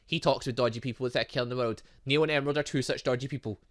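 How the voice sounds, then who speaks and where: A man doing lively let's-play commentary as a gaming video host, exclaiming and talking to the game's characters. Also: medium pitch, very fast. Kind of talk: lively let's-play commentary, reading game dialogue aloud.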